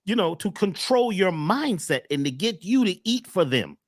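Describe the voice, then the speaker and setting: A man talking as a wellness coach on a talk show, emphatic and repetitive, often jumping high on key words. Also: very animated, normal speed, no room sound, studio quality. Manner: emphatic, repeats phrases, swoops up on key words. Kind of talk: animated talk-show conversation.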